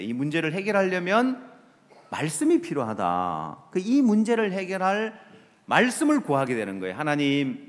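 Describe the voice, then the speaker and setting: A middle-aged man preaches a sermon, his voice swinging widely up and down in pitch. He keeps asking the congregation questions and drops to quiet asides at the ends of phrases. The sound carries a long reverb from a large hall. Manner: lively, rhetorical questions to the audience, trails off with low asides. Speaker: pastor.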